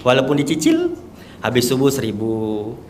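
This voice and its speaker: A man's voice: medium pitch, wildly swooping pitch, moderate pace, darkish tone, a little hiss or hum. A young man, telling his testimony with emotion and emphasis, laughing often as he talks. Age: young adult. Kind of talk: animated testimony before a live audience.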